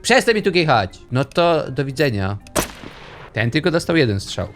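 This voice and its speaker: A young man narrates his gameplay in a playful, chatty way, teasing the characters on screen. His pitch swoops up and down as he reacts. Soft game music runs quietly underneath. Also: sing-song, moderate pace. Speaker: gaming YouTuber. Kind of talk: let's play commentary.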